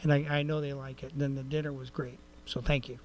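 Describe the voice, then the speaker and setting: A man's voice: mid-range voice, level tone, fast talker, darkish tone, slight background noise. A man giving a rambling, folksy report at a city council meeting, with many fillers and restarts. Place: council chamber.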